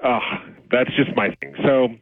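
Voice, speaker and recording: A man calling in by phone, talking in a hesitant, halting way with awkward pauses. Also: mid-range voice, fairly even intonation, creaky. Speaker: caller. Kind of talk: phone conversation with radio hosts. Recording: tinny phone line.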